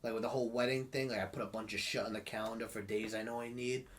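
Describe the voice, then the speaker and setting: A man's voice: mid-range voice, little pitch movement, quick pace, slight background noise. A man in his late twenties, stuffed up from a cold, chatting casually as an interview guest, laughing often and swearing freely. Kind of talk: casual chat.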